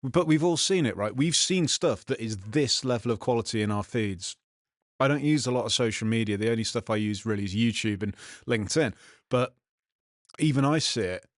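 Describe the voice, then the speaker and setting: A man in his role as a vlog host and software developer talks casually in a slightly nasal, mid-range voice with a Black Country accent from England's West Midlands. He speaks a little fast, with sardonic, irritated grumbling. The recording is clean studio sound with no echo.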